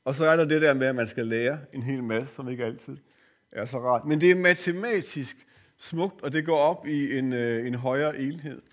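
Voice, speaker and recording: An older man giving a spiritual lecture in a course center, speaking reflectively and pausing often with hesitant fillers. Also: medium pitch.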